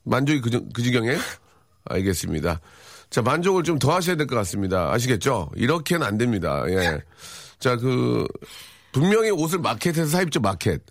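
A man's voice: mid-range voice, sing-song, a little fast, dry recording, studio quality. A man hosting a radio show, teasing a staff writer in a mock-serious, playful way. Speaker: radio host. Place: radio studio.

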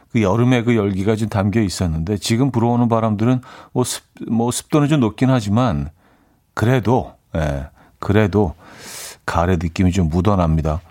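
A man hosting a morning music radio show, chatting in a relaxed way with many small fillers and reading out listener messages in a studio. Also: fairly low pitch. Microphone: studio microphone.

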